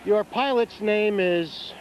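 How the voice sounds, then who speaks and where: A man interviewing outdoors at a model airplane competition, putting his questions haltingly and step by step. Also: sits high. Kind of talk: on-site field interview. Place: outdoors at a flying field. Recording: muffled, noisy outdoor field recording.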